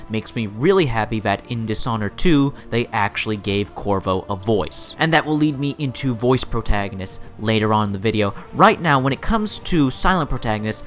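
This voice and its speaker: A man's voice: a little high, fairly bright tone. A man hosting a video essay on games, speaking emphatically and informally, stacking up words and repeating phrases to drive opinions home. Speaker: video host.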